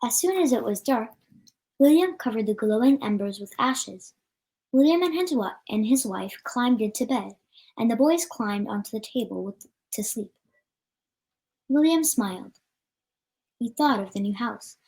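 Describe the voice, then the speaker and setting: Female, fairly high pitch, mellow tone, halting read-aloud storybook narration. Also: expressive. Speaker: storyteller reading a book aloud.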